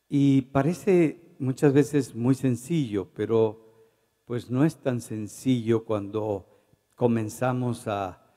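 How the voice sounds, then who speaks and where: Speaking at a very slow pace, a man has a medium pitch and a dark, mellow tone. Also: ordinary pitch variation. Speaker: pastor. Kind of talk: sermon. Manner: tends to drop voice volume.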